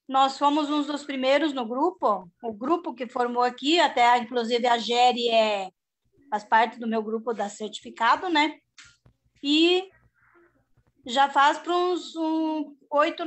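A high-pitched middle-aged woman, speaking over a video call from her home. She rambles in a chatty, homespun way, restarting her sentences and tagging them with little checks. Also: a bit bright. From southern Brazil. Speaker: organic farmer. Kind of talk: casual video-call panel talk.

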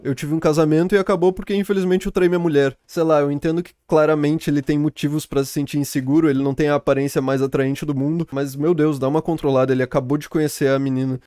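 A man delivers scripted commentary with biting sarcasm and casual swearing. His voice is slightly high but mellow in tone. The recording is close and dry, with no room sound. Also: dry recording. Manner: sarcastic, mocking, swears freely. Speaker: commentary youtuber. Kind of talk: scripted video commentary narration.

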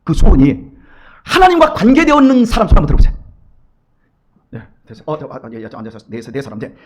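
A middle-aged man preaching a lively sermon in a church, acting out his children and God in quoted voices. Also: a little high, quick pace, slight background noise. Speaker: pastor. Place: church sanctuary.

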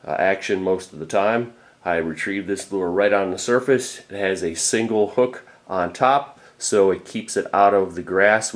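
A middle-aged man, a fishing guide, giving a casual off-camera talk about lures in a plain, practical way with frequent fillers. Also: sits low. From Florida.

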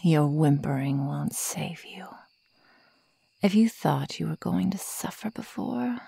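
A woman playing a slow, whispering sadistic werewolf girl. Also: deep voice, animated, dark tone, no room sound, exaggerated voice. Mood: cold, threatening. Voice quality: breathy, mostly whispered, creaky. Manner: slow, taunting, menacing. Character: sadistic werewolf girl, predatory, mocking, toying with prey. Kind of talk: ASMR roleplay, whispered.

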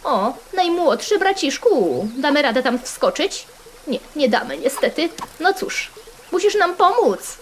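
A woman with a Polish accent hosting a gaming channel, narrating a browser game playfully and excitably, with sudden squeals and sing-song chants. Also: sits high, a little slow, slight background noise.

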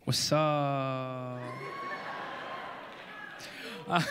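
A man's voice: mid-range voice, flat delivery, drawn-out words, crowd noise. A young man from Senegal, Kenya and Zambia, a student casually introducing himself on stage. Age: young adult. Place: large auditorium stage. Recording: echoey hall, clear background noise.

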